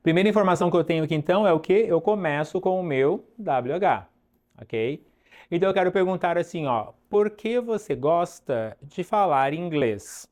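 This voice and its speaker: Teacher with a mellow voice. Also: male voice, fairly high pitch, expressive. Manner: drills pronunciation slowly, checks in with "ok?" often. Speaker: English teacher. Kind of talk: online English lesson at a whiteboard.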